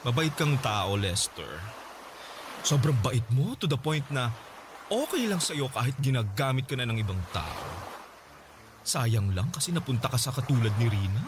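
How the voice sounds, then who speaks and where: A smug, manipulative rich older gay man, as an actor plays him in a radio drama. His teasing, sing-song voice rises and falls widely as he talks. A steady noise sits under the recording. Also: medium pitch, normal speed, close to an everyday voice. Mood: coaxing.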